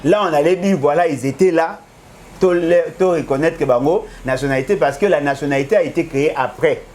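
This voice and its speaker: A man's voice: fairly high pitch, a little fast, darkish tone. A man arguing politics in a heated debate, lecturing and insisting he cannot be contradicted, mixing French and Lingala. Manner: argumentative, lecturing, switches between French and Lingala. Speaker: political commentator.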